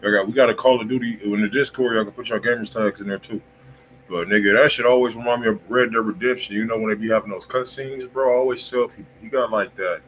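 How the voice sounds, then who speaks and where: Male American livestream host, low voice, casual and slangy, clear background noise behind him. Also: a bit bright, poor audio. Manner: slangy, peppered with "bro" and filler repeats. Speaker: host of a music review livestream.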